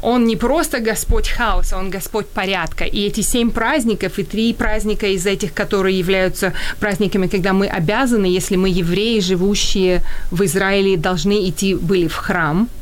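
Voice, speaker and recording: A woman at a moderate pace with ordinary pitch variation and very even loudness, with audible room echo. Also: medium pitch for a woman. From Ukraine, Kyiv. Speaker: guest. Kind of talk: casual chat. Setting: studio.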